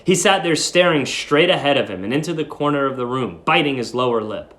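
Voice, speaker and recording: A man's voice: medium pitch, animated, fairly quick, fairly bright tone. A man speaking as a teacher, reading a story aloud and explaining it informally.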